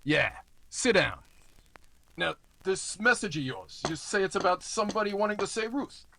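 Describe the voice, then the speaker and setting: A man's voice: high-pitched, expressive, moderate pace, vocal fry, sharp tone, a little hiss or hum, full character voice. An actor playing a nosy, slimy apartment house manager who wheedles in tough-guy slang, in old-time radio noir style. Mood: insinuating.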